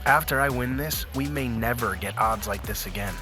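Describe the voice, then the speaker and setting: An actor playing a cocky young scooter racer in an audio drama, breezy, boastful and slangy. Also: male voice, medium pitch, normal speed, over music, natural voice. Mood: confident. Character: cocky young male scooter racer, sure he'll win. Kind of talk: acted audio drama dialogue.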